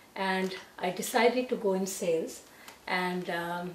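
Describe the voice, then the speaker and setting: A woman's medium-pitched voice with fairly even intonation, amid noticeable background noise and audible room echo. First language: not English. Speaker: real estate agent. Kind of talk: panel talk on radio show.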